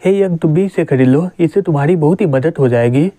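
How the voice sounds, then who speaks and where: A man's voice: a little high, brisk, warm tone, dry recording, lightly acted. A man voicing a caring but bossy teenage schoolgirl who scolds her friend, in a manga recap.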